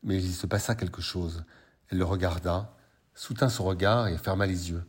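Deep, husky male reader. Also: fairly even intonation, normal speed. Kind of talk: literary reading aloud.

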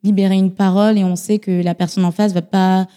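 A woman's voice: mid-range voice, little pitch movement, a little fast, warm tone, clear, resonant tone. A woman guest explaining her views earnestly, with frequent hesitations. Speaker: podcast guest. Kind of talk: casual discussion.

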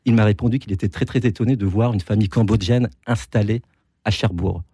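A man in his forties from Normandy, a photographer answering interview questions in a halting, earnest way with frequent restarts. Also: fairly low pitch, fairly even intonation, dark tone, husky, no echo. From France (Normandy). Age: 40s. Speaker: photographer guest.

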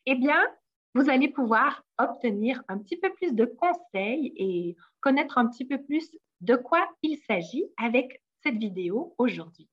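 A woman's voice: on the high side, slightly rough, lo-fi sound. A woman hosting an interview, welcoming and encouraging her guest. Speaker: host, company head.

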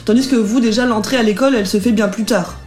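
A woman's voice: a little high, fast, darkish tone, soft background music. A woman hosting a casual radio chat as columnist and interviewer, greeting listeners in a friendly, bubbly way.

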